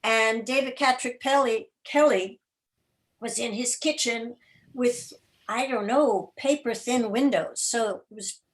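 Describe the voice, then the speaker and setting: A woman's voice: fairly high pitch, takes it slowly, rough recording. A woman speaking informally as a guest producer, answering interview questions on a remote video call. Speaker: radio drama and podcast producer, guest.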